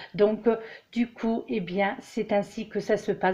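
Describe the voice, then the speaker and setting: A woman's medium-pitched voice with a dark, mellow tone, flat monotone intonation and a fairly slow pace. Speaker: tarot reader. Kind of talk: tarot reading monologue. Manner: hesitant, many fillers.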